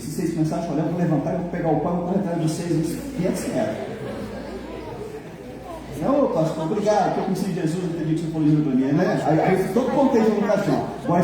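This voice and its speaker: A middle-aged man, preaching a humorous sermon and teasing his congregation. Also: on the high side. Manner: joking, teasing the congregation, mimicking people. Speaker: pastor. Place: church hall. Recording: echoey hall from a distant mic.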